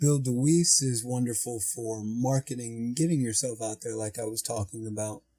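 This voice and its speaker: Over music in the background, a man with a medium-pitched voice talks at a moderate pace with ordinary pitch variation and hardly any pauses. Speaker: aspiring voice actor. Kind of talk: casual web show talk to camera. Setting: home recording, poor microphone. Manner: hesitant, with many pauses and filler sounds.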